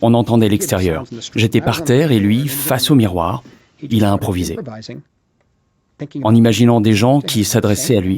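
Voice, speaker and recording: Long, frequent pauses break up a man's speech at a moderate pace. His medium-pitched voice has a dark, mellow tone and ordinary pitch variation. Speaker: voice actor. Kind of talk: documentary narration. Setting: home studio.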